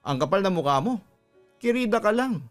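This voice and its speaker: A man's voice: high-pitched, very animated, a little fast, no room sound, faint music behind, voice pushed up. A man voicing a betrayed, jealous spouse in a radio drama, emotional and accusing. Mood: angry, accusing.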